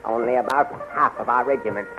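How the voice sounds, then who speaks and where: An actor playing a stiffly formal, deferential army officer in 1930s radio style. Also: male voice, mid-range voice, fairly quick, music in the background, close to an everyday voice. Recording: muffled 1930s radio recording.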